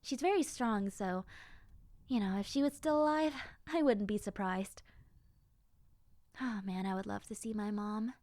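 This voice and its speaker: A woman playing a gentle, chatty young zombie girl in a roleplay audio drama, musing conversationally to the listener. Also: medium pitch, measured pace, pauses often, no echo, close to an everyday voice. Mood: earnest, wistful. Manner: soft-hearted, conversational, musing.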